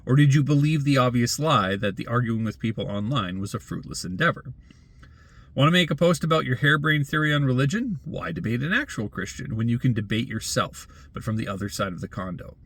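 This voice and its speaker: A man's voice: medium pitch, lively intonation, a little fast, fairly bright tone, breathy edge. A man reads a scripted opinion essay aloud as a commentator, in a wry, sardonic, rhetorical manner. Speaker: blogger and commentator.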